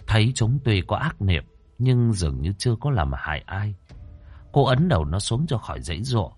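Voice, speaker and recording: Low-voiced man narrating a ghost story. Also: normal speed, breathy edge, dry recording, faint music behind. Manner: dramatic, expressive reading.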